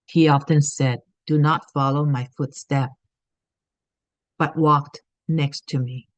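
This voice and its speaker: A woman's voice: sits low, fairly even intonation, slow, no room sound. A woman from Thailand giving an earnest spiritual teaching talk, often checking in with "okay?".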